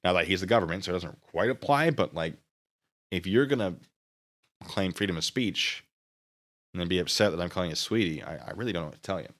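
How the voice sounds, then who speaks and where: A man's voice: sits low, fairly quick, a bit bright. A man live streaming, rambling casually with mock-petty sarcasm while reading chat.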